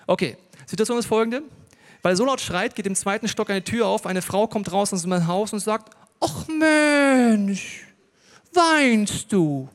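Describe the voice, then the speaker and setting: A man preaching a sermon to a live audience, telling stories and joking with the listeners. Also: high-pitched. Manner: lively storytelling, jokes with the audience. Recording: long reverb of a large hall.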